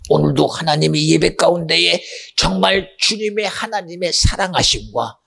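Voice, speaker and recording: A man preaching a sermon as pastor, swinging between loud exclamations and hushed, almost whispered asides. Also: a little high, moderate pace, creaky.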